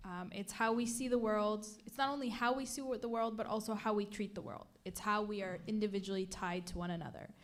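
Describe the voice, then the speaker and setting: A woman from Palestine, a native Arabic speaker, giving an earnest, measured talk on a community panel with frequent fillers. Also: mid-range voice.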